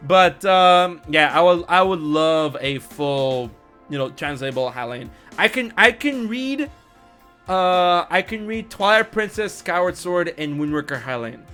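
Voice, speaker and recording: A man hosting a casual gaming chat, excitable and talking fast when heated, stumbling and repeating words as he goes. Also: sits high, soft background music. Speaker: podcast host.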